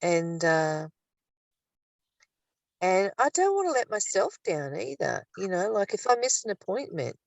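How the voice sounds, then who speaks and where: A woman's voice: mid-range voice, big pitch swings, a little slow, vocal fry, long pauses, no room sound. An older woman speaking reflectively in a spiritual study discussion, recorded at a distance from the microphone. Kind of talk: reading aloud and reflective discussion.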